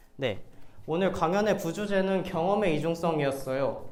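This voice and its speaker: Amid noticeable background noise and audible room echo, a man with a high voice talks at a moderate pace with ordinary pitch variation. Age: 20s. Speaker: student speaker. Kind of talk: lecture. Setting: stage with audience. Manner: casual, conversational.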